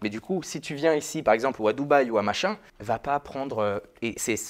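This is a man talking. His pitch is medium. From England and France, born in London. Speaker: forex trader. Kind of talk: casual interview.

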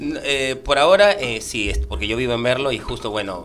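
With music in the background, a man speaks at a fairly quick clip. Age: 40s. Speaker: luthier and Afro-Peruvian musician. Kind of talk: casual radio interview. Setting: radio studio.

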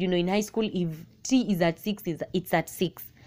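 On a very clean recording with a silent background, a woman with a Kenyan accent speaks in a fairly low pitch with fairly even intonation. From Kenya, Machakos County. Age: young. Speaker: radio and TV presenter. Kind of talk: testimony.

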